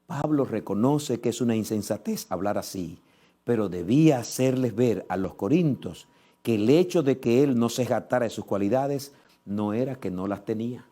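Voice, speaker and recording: A male pastor preaching a sermon in church. He swings between low, measured passages and loud, impassioned stretches, and he piles up short repeated phrases. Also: animated. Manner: lists things in rapid repeated phrases.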